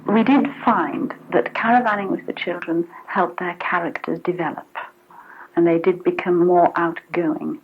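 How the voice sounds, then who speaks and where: A woman's voice: fairly low pitch, steady tone, moderate pace. A middle-aged British woman talks in a plain, explanatory interview style. Her British-accented voice comes through a muffled 1970s film soundtrack with faint noise. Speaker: interviewed mother.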